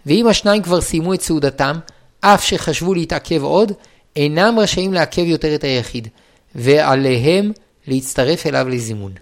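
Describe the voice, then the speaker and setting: A man reading a Jewish law book aloud in a measured, steady recitation, now and then restarting a word. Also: a little high. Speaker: reader of a Jewish law text. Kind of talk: formal read-aloud of a religious law book.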